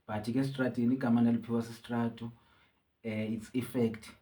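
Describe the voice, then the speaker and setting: Relaxed South African man, halting speech. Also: mid-range voice. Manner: relaxed, halting with many restarts. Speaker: musician guest. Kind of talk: casual interview, code-switching.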